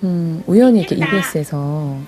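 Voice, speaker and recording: A woman who hosts a radio program reading fairy tales to adults, answering interview questions in a soft, reflective, unhurried way. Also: sits low, animated, crowd noise.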